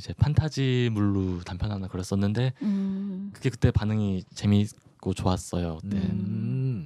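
The voice has a dark, mellow tone and ordinary pitch variation. It moves at a fairly slow pace with hardly any pauses. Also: man, fairly low pitch for a man. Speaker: webtoon artist. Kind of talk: interview chat. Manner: soft-spoken, calm.

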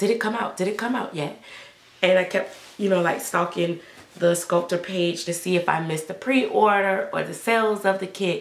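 A woman with a medium-pitched voice talks at a moderate pace with ordinary pitch variation. Noticeable background noise and audible room echo surround her. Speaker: doll collector and video creator. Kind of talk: casual vlog chat. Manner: casual, filler-heavy.

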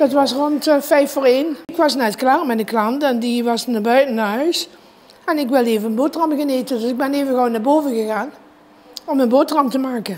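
A woman speaks with a high pitch. Her pace is fairly quick. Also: ordinary pitch variation. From Heerlen, Netherlands. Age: 70s. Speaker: hairdresser. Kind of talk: interview answer. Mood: indignant, animated retelling. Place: shop. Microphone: lapel.

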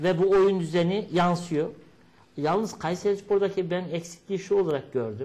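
Pitched high, a man speaks at a moderate pace. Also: ordinary pitch variation. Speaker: football commentator. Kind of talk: sports panel discussion. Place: studio. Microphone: lapel.

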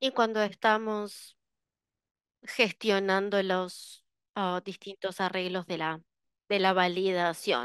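Against a quiet background with a dry sound and no echo, a woman speaks at a very slow pace with long, frequent pauses and fairly even intonation. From Finland. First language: Finnish (speaking Spanish). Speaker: vocational training expert; presenter. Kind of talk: webinar presentation; answering audience questions. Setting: video call. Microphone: headset.

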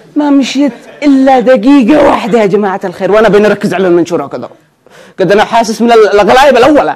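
This man's pitch is high, with ordinary variation. He talks at a fairly quick pace. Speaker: stand-up comedian. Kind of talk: comedy monologue. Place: studio. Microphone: lapel.

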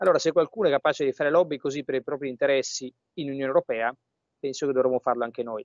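Very fast and fairly high-pitched, a man talks with ordinary pitch variation in a dry sound with no echo and a quiet background. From Trieste, Italy; Italy. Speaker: European Parliament staffer; remote TV guest. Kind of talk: interview; interview answer. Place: office. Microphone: earbuds.

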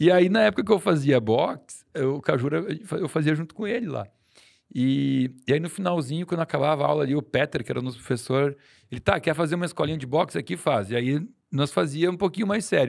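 A man talking at a very fast pace with lively intonation against a quiet background. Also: fairly high pitch for a man. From southern Brazil, Caxias do Sul. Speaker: podcast host, doctor. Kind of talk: casual chat. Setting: studio. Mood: relaxed, animated storytelling. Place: studio. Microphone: studio mic.

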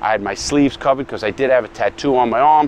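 Recorded dry with no echo, a man talks at a fairly quick pace against light background noise. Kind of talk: casual vlog storytelling. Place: street. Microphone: lapel.

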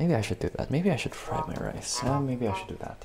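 Clear music can be heard in the background. Over it, a man talks. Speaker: vlogger. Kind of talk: casual vlog chat. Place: kitchen. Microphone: camera far.

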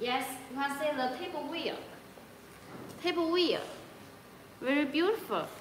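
A woman with a Chinese accent and a high pitch talks at a moderate pace with ordinary pitch variation and long, frequent pauses, over light background noise and audible room echo. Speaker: live-stream sales host. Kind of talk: live-stream sales pitch. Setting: live stream. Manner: halting. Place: factory.

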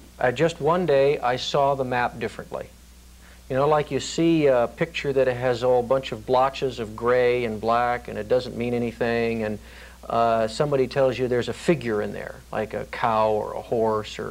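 This man talks at a moderate pace. His intonation is fairly even. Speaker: interview guest. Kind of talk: interview answer. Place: studio. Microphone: lapel.

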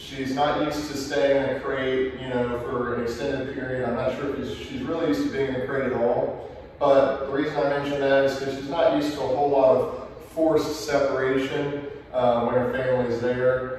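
The voice is monotone and flat, moving at a fairly quick pace. Strong room echo and light background noise are present. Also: man. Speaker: dog trainer. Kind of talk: tutorial. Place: home room. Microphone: camera far.

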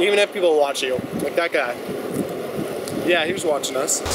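Loud background noise behind a woman's fairly quick speech. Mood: playful, laughing. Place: street. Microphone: phone near.

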